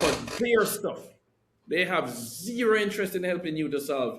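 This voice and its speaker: A man speaks at a moderate pace with very wide pitch swings and long, frequent pauses, with audible room echo. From Jamaica. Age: 40s. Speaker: investor and company founder. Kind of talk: interview conversation.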